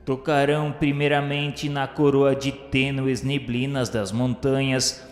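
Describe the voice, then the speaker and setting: A man's voice: mid-range voice, level tone, measured pace. A man with a Brazilian accent narrating a scripted radio drama in a solemn, formal, literary way. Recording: echoey long reverb, music behind. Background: music.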